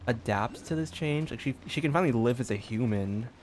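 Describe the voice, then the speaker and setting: Casual young male streamer, mid-pitched. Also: fairly quick, darkish tone, a little hiss or hum. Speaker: game streamer. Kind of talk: casual live gaming commentary.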